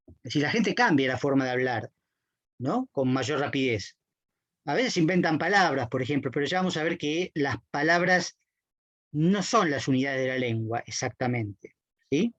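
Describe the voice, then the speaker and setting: A man's voice: fairly high pitch, no echo. A man giving a university semiotics lecture, explaining patiently and often checking in with his students. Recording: dull dry lo-fi recording.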